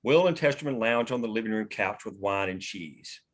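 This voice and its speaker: A man with a fairly low voice narrates a screenplay at a table read. He reads out scene headings and action as scripted narration. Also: animated, normal speed. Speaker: screen direction reader.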